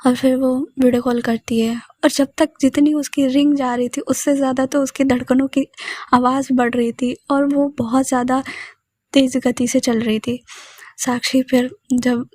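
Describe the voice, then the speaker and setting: A woman's voice: sits high, flat delivery, normal speed, a little mellow, no room sound, clean studio sound. A woman narrating a romantic audio story in a casual, chatty way, full of conversational fillers.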